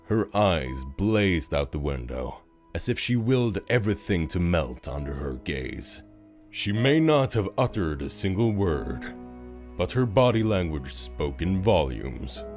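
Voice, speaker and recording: Casting: male storyteller with a very low, animated voice, narrating scripted fiction over soft music.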